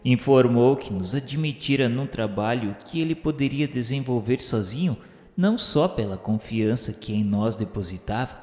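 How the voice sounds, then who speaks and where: Male radio-drama narrator, solemn literary read, medium-pitched voice, very echoey sound over faint music. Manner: measured, grave, formal.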